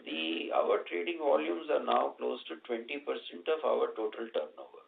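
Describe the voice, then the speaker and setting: An Indian-accented man, a company executive answering questions on an earnings call, speaking haltingly and repeating words. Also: mid-range voice, very animated, vocal fry. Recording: dull band-limited conference call line.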